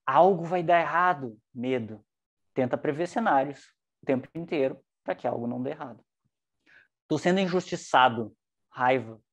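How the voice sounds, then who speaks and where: A man giving an online psychology lecture, lively and joking, with shifting intonation. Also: mid-range voice, moderate pace.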